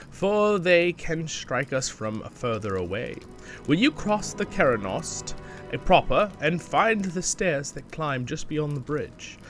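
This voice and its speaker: A man's voice: fairly high pitch, voice pushed up. A man reading as a wary camp leader's wife. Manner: reads quest text aloud with slips.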